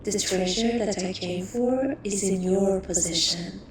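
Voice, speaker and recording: Casting: woman to play seductive catgirl jewel thief for romantic ASMR, playful and possessive, slow delivery, some background noise. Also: medium pitch, pitched below the performer's own voice, close to an everyday voice. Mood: soothing, possessive. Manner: teasing, coy, theatrical, affectionate.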